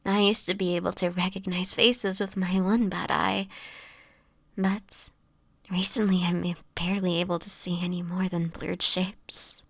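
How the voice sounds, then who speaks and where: An actress voices a sickly homeless vampire woman for an intimate audio drama. Her voice is soft and crackles with fry, often sinking into a whisper. She speaks haltingly in courteous, old-fashioned phrases, gentle yet guarded and sad, recorded close and dry. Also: fairly low pitch, level tone, no echo, full character voice. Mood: sorrowful, weary. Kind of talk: intimate audio roleplay acting. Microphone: close microphone, dry.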